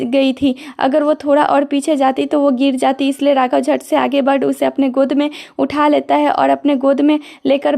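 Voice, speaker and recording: High, gravelly woman storyteller. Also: a little mellow. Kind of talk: scripted narration of a romance drama.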